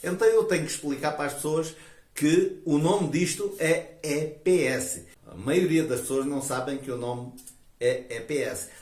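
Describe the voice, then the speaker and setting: A man speaks at a fairly slow pace with a European Portuguese accent, his voice somewhat breathy. His loudness swings widely, and room echo is audible. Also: fairly high pitch for a man, ordinary pitch variation. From Portugal. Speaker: DIY video maker. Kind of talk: tutorial. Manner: conversational.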